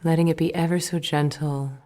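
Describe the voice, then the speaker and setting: A woman meditation teacher guiding a breathing meditation in a slow, soothing, gentle way, sometimes dropping to a soft whisper. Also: low-pitched, steady tone. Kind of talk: guided meditation.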